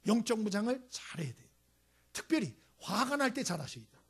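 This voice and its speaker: A male pastor delivering a sermon with emphatic preaching, swinging between loud exclamations and hushed asides, and acting out voices in his stories. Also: high voice, sing-song, brisk, breathy edge. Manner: tells anecdotes acting out voices.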